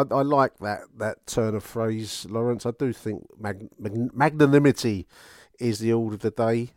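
A man's voice: on the low side, darkish tone, no echo, studio quality. A man hosting a fan podcast, chatting to his listeners in a wry, rambling way and often repeating phrases. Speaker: podcast host.

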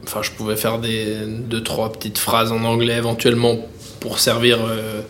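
A man who is a musician answering interview questions in French, talking in a halting way with many fillers and restarts. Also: medium pitch, monotone, a bit bright, a little hiss or hum. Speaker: musician guest.

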